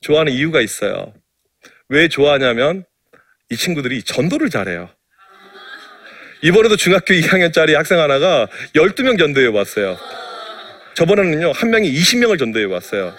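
A man's voice: on the high side, sing-song, fast, a bit bright, dry recording. A middle-aged male pastor giving a sermon full of humorous stories, talking in a playful, self-mocking way.

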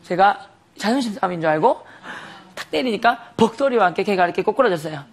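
A man's voice: high voice, lively intonation, fast talker, gravelly. A man giving a sermon testimony, telling a story animatedly with frequent laughter and rhetorical questions.

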